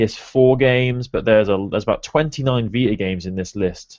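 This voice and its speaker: Talking at a fairly quick pace with ordinary pitch variation, a man speaks with a British accent. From UK. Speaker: gaming podcast host. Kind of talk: casual chat. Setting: video call.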